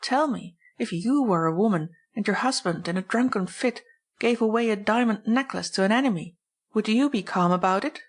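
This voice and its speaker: A woman voicing an excitable, indignant baroness in an audiobook, emphatic and dramatic. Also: medium pitch, moderate pace, voice pushed up, close to an everyday voice. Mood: indignant, exasperated.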